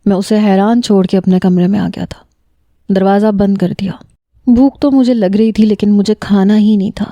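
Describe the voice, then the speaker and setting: A woman narrating a romantic story in the first person, steady and emotional. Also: mid-range voice, no room sound.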